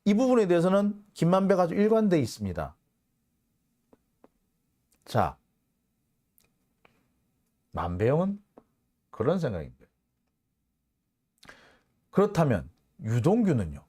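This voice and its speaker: Male reporter-host for commentary reads, emphatic and chatty, lively voice sitting slightly high. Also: unhurried, pauses often. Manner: animated, emphatic, conversational. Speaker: host and legal affairs reporter. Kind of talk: commentary on court records.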